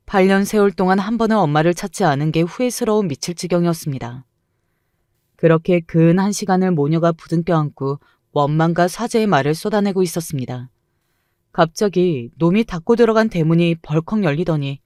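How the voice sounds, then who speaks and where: A woman's voice: fairly low pitch, darkish tone, dry recording, studio quality. Indignant woman narrating a dramatic true story.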